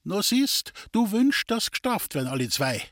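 A man's voice: high-pitched, big pitch swings, moderate pace, a bit bright, no room sound, clean studio sound, voice pushed up, exaggerated voice. A man voicing a sly, scheming male vagabond trickster in an audiobook, coaxing and insistent in dialect. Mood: wheedling. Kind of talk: audiobook character reading.

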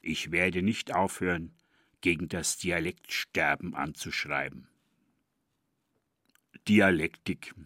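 A man, a dialect poet reading a personal radio essay in a measured, deliberate way. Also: low voice, pushed and bright, no echo, clean studio sound. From Franconia, Germany. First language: East Franconian dialect.

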